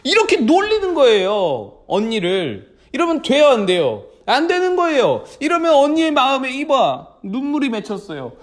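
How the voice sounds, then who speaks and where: A man gives a children's sermon in a very high voice. His pitch rises and falls a lot, and he keeps asking the children questions. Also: normal speed, few pauses. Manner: animated, speaks directly to children with questions. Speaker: children's pastor.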